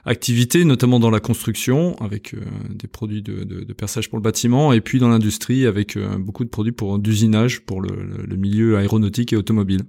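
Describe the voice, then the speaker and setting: A man's voice: lowish voice, a little fast, vocal fry, hardly any pauses, warm tone. Hesitant French businessman in his fifties. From France. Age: 50s. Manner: hesitant, many fillers and restarts. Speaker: company director. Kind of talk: casual interview. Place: company premises.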